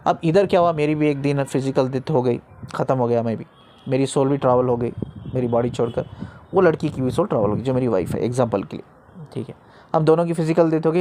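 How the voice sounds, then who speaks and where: A man's voice: mid-range voice, warm tone, a little hiss or hum. A man giving an earnest spiritual teaching talk, repeating phrases for emphasis and checking in with the listener. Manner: earnest, explanatory, speaks to the listener directly. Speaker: spiritual guide.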